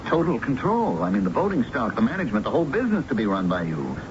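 An actor playing a magazine man and family uncle in a 1970s radio drama, earnest and expressive. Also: medium pitch, quick pace, background noise. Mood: indignant, disbelieving. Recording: dull 1970s radio broadcast, loud music.

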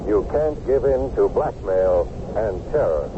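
Radio drama newsreader, lowish voice, formal, measured, scripted delivery, heavy background noise. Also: male voice, expressive. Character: formal male newsreader delivering an official statement. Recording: narrow-band, very noisy radio broadcast.

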